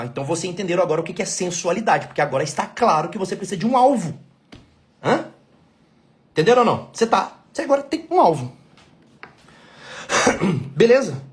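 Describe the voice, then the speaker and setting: A middle-aged Brazilian man, a couples therapist, giving a blunt, emphatic lesson to women, repeating his key points and checking that they follow. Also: sits high. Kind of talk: talking-head lesson.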